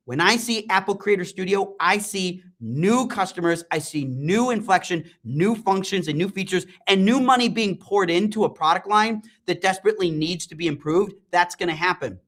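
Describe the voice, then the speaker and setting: A middle-aged man hosting a live-streamed product talk and software demo, enthusiastic and rambling, with frequent ums and restarts. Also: high voice. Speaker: host and company CEO.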